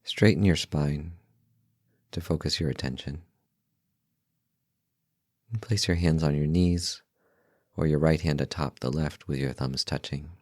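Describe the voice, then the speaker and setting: Calm and gentle, this podcast host guides a meditation in an extremely low voice. He offers brief, slow phrases and leaves long silences between them. The recording is close and dry, with no echo or room ambience.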